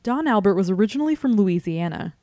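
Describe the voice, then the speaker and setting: A woman's voice: medium pitch, lively intonation, quick pace, dark tone, dry recording, clean studio sound. An American woman reading scripted narration in the manner of a public radio host and reporter.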